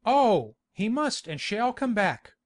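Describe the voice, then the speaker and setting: Lively, bluff baronet, played by a man. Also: sits high, takes it slowly, heavily acted. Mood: blustering. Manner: blustering, insistent. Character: hearty, bluff, pushy English country baronet. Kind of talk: dramatised classic novel reading.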